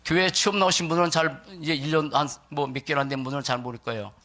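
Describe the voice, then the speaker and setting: Male pastor, low-pitched bright forceful voice, church sermon delivery, emphatic deliberate phrasing, rhetorical questions. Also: fairly even intonation. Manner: puts rhetorical questions to listeners. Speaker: pastor preaching.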